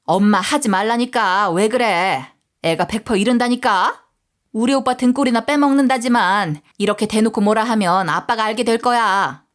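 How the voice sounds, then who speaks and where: A woman's voice: fairly high pitch, normal speed, lightly acted. A woman voicing a snide, sly young sister-in-law in a story reading, with a dismissive way of talking.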